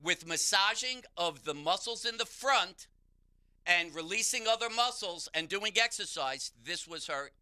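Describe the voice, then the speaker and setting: A man with a high-pitched, sharp yet smooth voice speaks animatedly and a little slowly. He's a pain therapist on a call-in radio show, explaining in a studio how the body works, clear and instructive.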